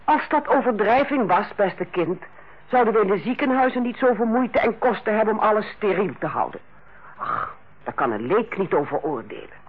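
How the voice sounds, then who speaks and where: Radio drama role: strict, fussy ward sister, high animated delivery, husky edge, dull old recording. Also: female voice, normal speed. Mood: brisk, disapproving. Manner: bossy, precise, matter-of-fact. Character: strict, fussy senior hospital nurse, Carla, on holiday. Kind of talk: old Dutch radio play acting.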